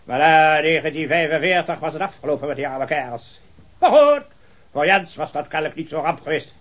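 An actor playing a jovial, talkative, hard-of-hearing old retired colonel who rambles heartily in a radio drama. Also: male voice, a little high, fairly bright tone. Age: older. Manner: rambling, hearty, with repeated affirmations and chuckles.

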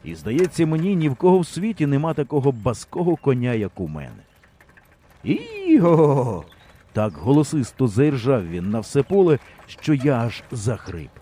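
A man reading an audiobook in an expressive storyteller's way. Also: mid-range voice, a little fast, a little hiss or hum. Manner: lively storyteller's delivery. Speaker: audiobook narrator.

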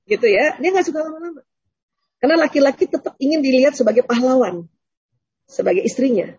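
A woman giving a conversational religious lecture in style, gently reassuring and acting out little dialogues as she answers questions. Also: high voice, breathy edge, dry recording, dull audio. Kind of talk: Islamic lecture with Q&A.

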